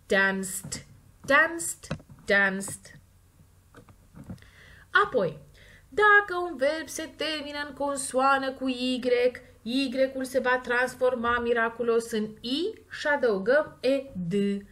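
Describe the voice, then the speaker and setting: A woman with a Romanian accent, teaching English grammar and stressing the example words slowly and clearly. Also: high voice, a bit bright. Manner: slow, stressed model words between quick explanations. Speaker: language teacher. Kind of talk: explaining grammar in a recorded lesson.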